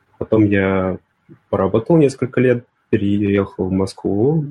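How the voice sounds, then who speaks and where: The speaker is a man. His pitch is fairly low. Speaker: mobile developer. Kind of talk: casual chat.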